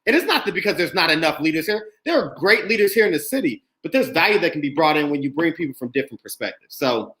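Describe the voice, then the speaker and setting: Male podcast host, outspoken and emphatic, bright forceful tone. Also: a little high, quick pace, hardly any pauses, reverberant, poor audio. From Indianapolis, USA. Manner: emphatic, animated, speaks his mind. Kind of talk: casual podcast discussion.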